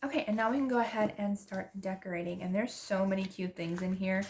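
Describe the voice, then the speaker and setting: A woman's voice: medium pitch, steady tone, fast talker, darkish tone, slight background noise. A young woman with a stuffy nose from allergies, chatting casually and gushing as she decorates her planner. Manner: chatty, gushing, restarts often. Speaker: planner vlogger.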